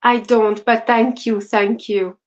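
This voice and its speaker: A woman with a French accent co-hosting a casual crochet livestream, soft-spoken and apologetic with many fillers. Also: on the high side, little pitch movement, slow. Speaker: co-host. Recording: dull lo-fi stream audio.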